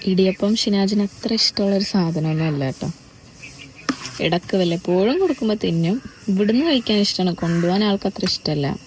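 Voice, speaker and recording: A woman's voice: mid-range voice, fast talker, darkish tone, slight background noise. A young woman, narrating her day as a family vlogger in a chatty way, often turning to viewers with asides. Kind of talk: casual day-in-my-life narration.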